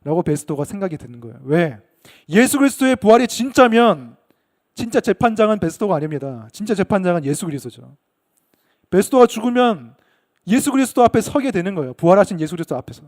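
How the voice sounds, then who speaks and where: A male pastor giving an emphatic Bible-study sermon, rising to fervent emphasis and briefly acting out shouted lines. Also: high voice, big pitch swings, fast. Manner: emphatic preaching, acts out shouted quotes.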